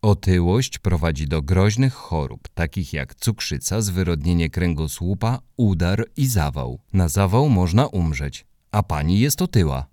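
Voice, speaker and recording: A second-grade boy rattles off facts in a level, bookish monotone, never changing his tone, as a man reads him aloud. The voice sits low and dry, close to the microphone. It sounds like a storybook character reciting an encyclopedia. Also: measured pace, hardly any pauses, no echo. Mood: flat reciting. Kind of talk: audiobook character reading.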